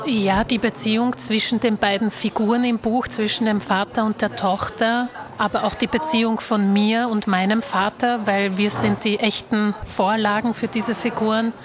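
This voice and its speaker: A woman author born in Slovakia, native Slovak speaker, answering interview questions in a measured, reflective way. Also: medium pitch.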